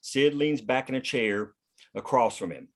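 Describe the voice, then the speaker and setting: A man's voice: mid-range voice, lively intonation, a little slow. A man reading scene headings and stage directions aloud as scripted narration at a table read.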